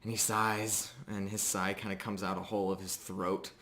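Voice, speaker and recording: A man narrating a tabletop fantasy game as game master, improvising descriptions in a measured way with pauses. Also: on the low side, level tone, pushed and bright.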